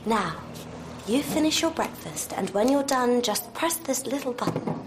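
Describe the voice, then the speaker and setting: An actress playing a bossy clinic nurse in an audio drama, talking with false sweetness as if to a child. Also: female voice, fairly high pitch, animated, moderate pace, background noise, close to an everyday voice. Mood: falsely sweet. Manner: patronizing, talks as if to a child.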